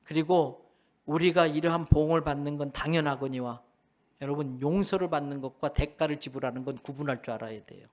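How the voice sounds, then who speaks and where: A man's voice: fairly high pitch, a little fast. A middle-aged male pastor preaching a sermon with emphasis, now and then acting out the voices of people in his stories.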